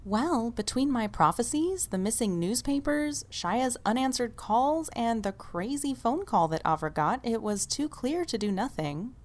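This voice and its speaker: A woman's voice: a little high, expressive, measured pace, hardly any pauses, a little mellow. A woman playing a candid, wry adolescent oracle in an audio drama, with a dry, matter-of-fact delivery.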